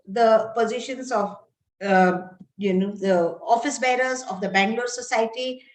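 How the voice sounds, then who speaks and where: Speaking in a Kannada accent, a woman talks at a fairly slow pace. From India, Mumbai. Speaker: obstetrician and gynecologist. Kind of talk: interview.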